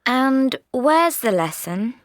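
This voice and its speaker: A woman playing a customer signing up for a computer course, speaking very slowly. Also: high-pitched, sing-song, no room sound, clean studio sound, full character voice. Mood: eager.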